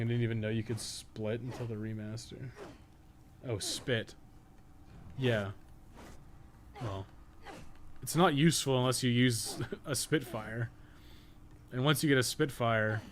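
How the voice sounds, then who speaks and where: A man with a mid-pitched voice streams a game and chats casually with viewers. He thinks aloud in halting, colloquial bursts and swears freely. There is clear noise and ambience behind his voice. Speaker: game streamer and guide maker.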